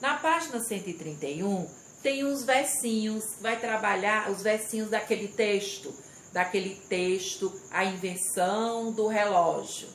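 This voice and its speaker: Slow-paced teacher woman in an echoey room. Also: medium pitch. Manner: slow, step-by-step explaining, reading aloud and stressing syllables. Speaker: primary school teacher. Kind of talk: recorded remote class lesson. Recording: echoey room with faint insect noise.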